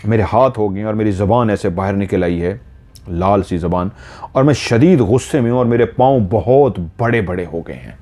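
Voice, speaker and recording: A man's voice: lowish voice, moderate pace, mellow. A man telling a horror story, earnestly retelling a listener's dream in first person and drawing out repeated phrases.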